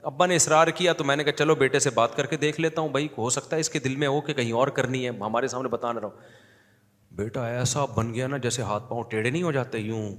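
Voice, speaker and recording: A man delivers a sermon as a string of stories, acting out the people he talks about. His voice sits at an ordinary middle pitch. A long reverb hangs on every phrase, as if he speaks in a large hall. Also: steady tone, fairly bright tone. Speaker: cleric giving a talk. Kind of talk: storytelling sermon.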